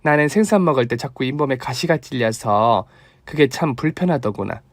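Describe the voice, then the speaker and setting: A man's voice: mid-range voice, animated, brisk, no room sound, clean studio sound, close to an everyday voice. A man voicing a thrifty, kind elderly mother-in-law who fusses and scolds affectionately. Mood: fond.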